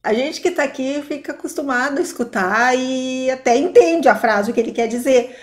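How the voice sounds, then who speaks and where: A woman with a strong Porto Alegre accent chats as a co-host, throwing in quick asides. Her voice sits slightly high for a woman. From Porto Alegre, Brazil. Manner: chatty, quick asides, laughs easily. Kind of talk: casual chat.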